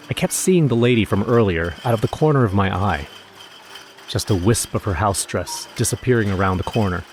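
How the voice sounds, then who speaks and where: Casting: male actor for wry, nervous everyman narrator, lowish voice, scripted horror audio drama storytelling. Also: close to an everyday voice.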